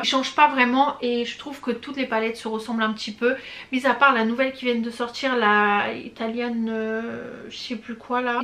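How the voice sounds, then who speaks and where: Young female vlogger, slightly high voice, chatty and effusive, casual review tone. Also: a bit bright. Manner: chatty and gushing, many hesitations and slang. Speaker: beauty vlogger. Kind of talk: casual product review chat.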